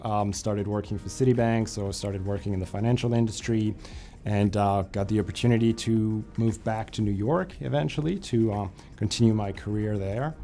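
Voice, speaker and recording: A French man in his forties, a financial advisor, talks easily about his career in a company profile interview, with frequent fillers and restarts. His voice is on the low side and warm, at a normal speed, with faint music in the background.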